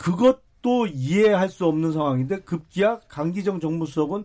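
A man at a fairly slow pace with lively intonation. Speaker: former lawmaker, political panelist. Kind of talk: political debate. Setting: radio studio.

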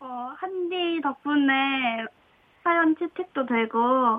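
Here a woman talks in a high voice. Her pitch varies in an ordinary way. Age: 20s. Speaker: caller, new ceramics worker. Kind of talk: phone-in chat. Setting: phone call.

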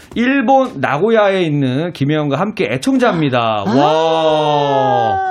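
Amid noticeable background noise, a man with a fairly high voice talks at a very slow pace in a playful tone, with very wide pitch swings and hardly any pauses. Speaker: comedian. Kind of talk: casual chat.

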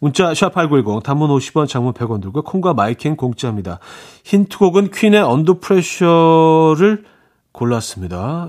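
A fairly high-pitched man at a fairly slow pace, with very wide pitch swings, on a very clean recording with a silent background. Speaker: radio host. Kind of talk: radio show with listener messages and interview. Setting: studio. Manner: calm, relaxed.

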